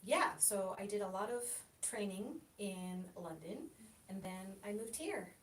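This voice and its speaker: A woman from Chile whose first language is Spanish, a guest chatting casually in an interview, telling lively stories and laughing often. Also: unhurried. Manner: lively, laughing anecdotal storyteller. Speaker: guest, actress and comedian. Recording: roomy, distant mic with faint rumble.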